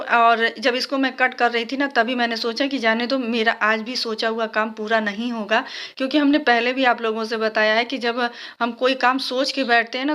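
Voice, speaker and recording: A woman's voice: a little high, fairly bright tone. A woman from India, chatting with viewers in a casual home cooking and cleaning vlog from her kitchen. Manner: chatty, addresses viewers directly, frequent restarts. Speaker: vlogger.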